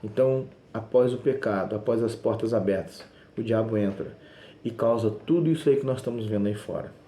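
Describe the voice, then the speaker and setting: A man preaches with insistent emphasis and repeats his key phrases. His voice sits low and mellow. The room around him rings with echo, and faint noise sits underneath. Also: a little fast. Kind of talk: sermon video.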